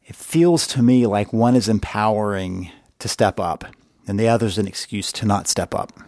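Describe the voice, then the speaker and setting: This man has an unremarkable speaking voice, fairly low in pitch with ordinary variation. He speaks at a moderate pace. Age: 50s. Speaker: marriage coach podcast host. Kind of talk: solo podcast talk. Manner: casual with filler words.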